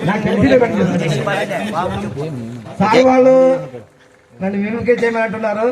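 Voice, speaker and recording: A man's voice: high-pitched, brisk, distant mic, over a noisy crowd, low-quality recording. A man, telling school stories to former teachers at a reunion. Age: 40s. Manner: chatty storytelling, addresses teachers as sir. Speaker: alumnus speaking at a school reunion. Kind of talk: reminiscing speech at a live event.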